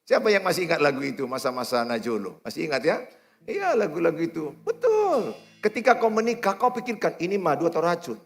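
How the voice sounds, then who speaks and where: A middle-aged man preaching a sermon, swinging between loud exhortations and quiet, low asides. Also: very animated, fairly quick, soft background music. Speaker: pastor. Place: church hall with congregation.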